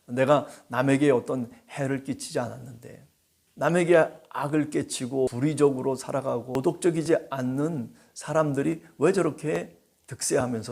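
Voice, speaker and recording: A middle-aged male pastor giving a dawn-prayer sermon in a gentle, conversational way, often checking in with his listeners and speaking the quoted lines himself. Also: medium pitch, creaky, husky. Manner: gentle, conversational preaching with frequent "예" and "그죠?"; voices God and believers in quoted speech.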